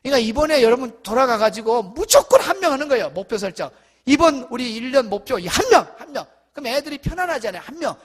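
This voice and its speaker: A middle-aged South Korean pastor with a very high, breathy-edged voice talks fast through an animated seminar lecture for church teachers. He acts out dialogue and shouts when he hits the peaks.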